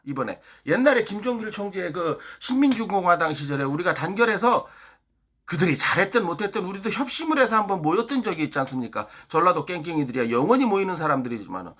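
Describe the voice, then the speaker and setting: A male political YouTuber from Chungcheong, South Korea, rants to his viewers in a political monologue, hectoring them and firing off rhetorical questions one after another. He talks fast in a sharp, very animated tone, his pitch swinging up and down.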